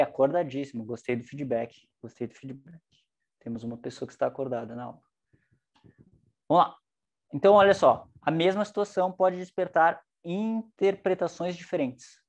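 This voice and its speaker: A man giving an online psychology lecture, lively and joking, with shifting intonation. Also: a little high, muffled recording.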